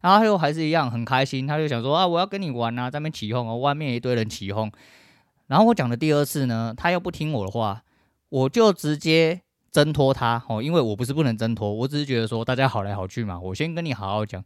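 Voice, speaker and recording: A man's voice: mid-range voice, expressive, fast talker, dry recording, clean studio sound. A middle-aged man with a Taiwanese Mandarin accent, hosting a podcast in a blunt, profane, emphatic casual rant. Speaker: podcast host.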